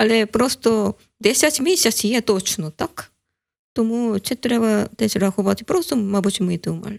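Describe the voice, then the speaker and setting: A woman speaks at a fairly slow pace with lively intonation, recorded with a dry, close sound and no echo. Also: fairly high pitch for a woman. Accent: Korean. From South Korea, Busan. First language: Korean (speaking Ukrainian). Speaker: language teacher and food blogger. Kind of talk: interview. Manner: halting.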